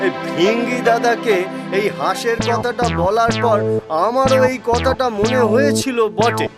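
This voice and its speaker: A man's voice: very high voice, steady tone, a little slow. A man voicing a wily, ingratiating village jester in a Bengali cartoon, talking glibly as he makes his excuses. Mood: pleading, sly. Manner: glib, ingratiating, explaining at length. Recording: loud background music under the voice.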